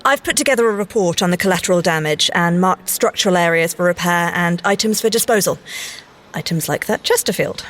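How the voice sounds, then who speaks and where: An actress playing a prim young English scientist agent in an audio drama, polite, precise and gently wry. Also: female voice, on the low side, fairly quick, lightly acted. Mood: businesslike.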